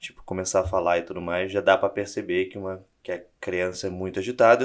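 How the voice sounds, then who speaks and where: The man has a fairly low pitch. He talks at a fairly quick pace with fairly even intonation. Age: 40s. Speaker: podcast co-host. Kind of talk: casual chat. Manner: fast.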